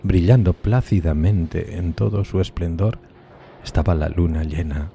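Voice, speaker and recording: A man performs a solitary, tormented outcast telling his gothic horror tale. The voice is very low and dark, with solemn, theatrical phrasing suited to ornate literary narration. Ambient noise sits audibly behind the words. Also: a little slow, gravelly. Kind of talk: dramatic first-person gothic horror audiobook narration.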